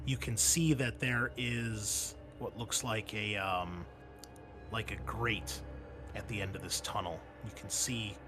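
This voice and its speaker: A man narrating a tabletop roleplaying game as game master, in a halting, descriptive, conversational way. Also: lowish voice, fairly even intonation, over music.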